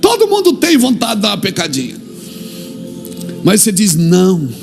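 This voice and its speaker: A man preaching a fervent sermon, acting out little dialogues and building up to shouts. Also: high voice, huge pitch swings, normal speed, creaky, faint music behind.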